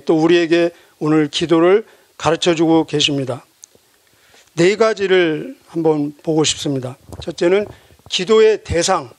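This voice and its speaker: A man preaching a sermon as pastor, measured and emphatic, asking rhetorical questions of his listeners. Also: fairly high pitch, no echo.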